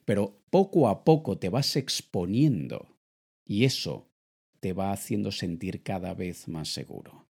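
A man from Venezuela, a public speaking coach, giving an expressive conversational lesson that addresses the listener directly. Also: lowish voice. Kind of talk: conversational instructional monologue.

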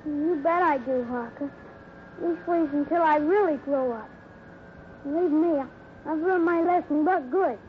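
A woman's voice: high-pitched, measured pace. A woman playing an earnest young cowboy boy with breathless exclamations in a 1950s radio adventure. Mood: relieved, contrite. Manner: breathless, gee-whiz exclamations. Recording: tinny, faintly noisy 1950s radio recording.

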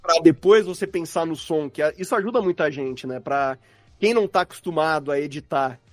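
A man's voice: a little high, brisk, dry recording, soft background music. A man with a Brazilian accent talking casually as a guest sound designer, explaining his craft and acting out his thought process. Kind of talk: casual interview chat about craft.

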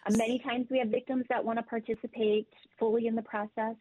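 A woman explaining victim services in an interview, in a measured and informative way. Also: on the high side, little pitch movement, slight background noise. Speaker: victim services professional guest. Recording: dry tinny call audio.

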